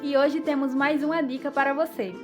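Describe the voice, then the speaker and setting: A woman's voice: high-pitched, steady tone, fairly quick. A Brazilian woman presenting a podcast in scripted narration. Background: background music.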